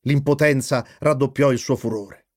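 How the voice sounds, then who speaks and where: A man narrating a children's story aloud in an expressive way. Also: mid-range voice, moderate pace. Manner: lively, expressive.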